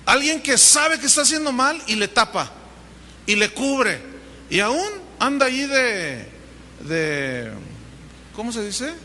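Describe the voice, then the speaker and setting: A man's voice: extremely high pitch, sing-song, takes it slowly, sharp tone. A man with a Mexican Spanish accent preaching a sermon as pastor, telling the story vividly and acting out the dialogue. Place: church hall. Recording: long reverb of a large hall.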